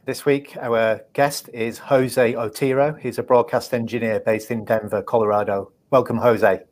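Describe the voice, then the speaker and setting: A man's voice: mid-range voice, steady tone, normal speed. A man hosting a podcast, asking his guest easygoing, tentative questions. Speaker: podcast host. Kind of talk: interview hosting.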